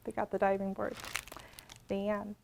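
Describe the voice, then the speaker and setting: A woman reads a children's picture book aloud, expressive and playful. She sings out the animal sound effects in a middling voice. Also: medium pitch, moderate pace, vocal fry. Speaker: storyteller. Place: public access TV studio.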